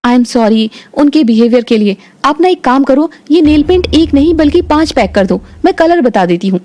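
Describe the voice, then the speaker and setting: A woman's voice: high voice, animated, moderate pace, darkish tone. A woman playing a haughty rich young sister-in-law. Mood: curt. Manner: haughty, scolding, mixes English. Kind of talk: cartoon voice acting.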